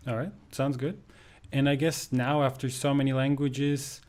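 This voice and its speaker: A man hosts an interview over a video call, asking questions and giving short prompts. His voice sits at a middle pitch. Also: fairly even intonation, normal speed, a little mellow. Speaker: interview host. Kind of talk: casual interview.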